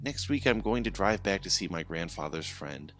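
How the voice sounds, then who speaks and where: A man's voice: deep voice, lively intonation, moderate pace, fairly bright tone. A man narrating a scripted horror story in a dramatic way, swelling and dropping his voice for suspense.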